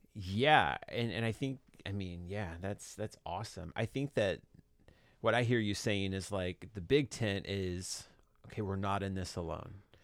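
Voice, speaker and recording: A man with an unremarkable speaking voice talks fairly slowly in an American accent, fairly low in pitch with ordinary pitch variation. The recording is very clean, with a silent background. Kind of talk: casual conversational discussion. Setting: studio.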